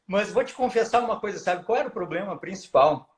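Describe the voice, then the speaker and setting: A surgeon, speaking as a guest on a casual live-stream interview, explaining at length with frequent restarts. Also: male voice, sits high, animated, fast talker. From southern Brazil.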